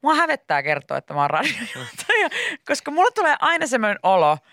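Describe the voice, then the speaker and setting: A woman's voice: on the high side, huge pitch swings, a bit bright, no echo. A young woman hosting a radio show, chatting casually in the studio with co-hosts and laughing often. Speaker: radio host.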